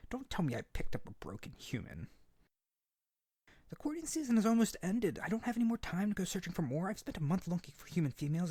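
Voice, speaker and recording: A man's voice: high voice, slightly rough, no room sound, clean studio sound, heavily acted. A man playing a hyper, naive and desperate harpy boy in an ASMR character roleplay, earnest and pleading. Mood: anxious, pleading. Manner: pleading, excitable, stammering, earnest.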